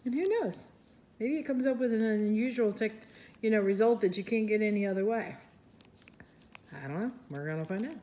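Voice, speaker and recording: A woman's voice: medium pitch, animated, a little fast, pauses often, warm tone, a little hiss or hum. Chatty woman crafting at her table. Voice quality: soothing. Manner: chatty, self-deprecating, thinks aloud. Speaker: resin artist, channel host. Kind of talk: casual crafting tutorial narration.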